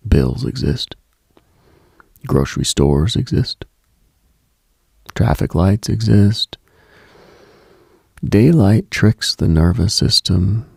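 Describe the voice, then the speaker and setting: Male late-night radio host, husky and slow, solemn dramatic monologue with expressive swings in pitch, very dry close sound. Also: no room sound.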